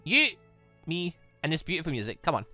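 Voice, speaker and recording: A man voicing a calm, devoted young gentleman from a visual novel, gentle, earnest and reassuring. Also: fairly high pitch, brisk, no room sound, soft background music, heavily acted. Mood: gentle, coaxing.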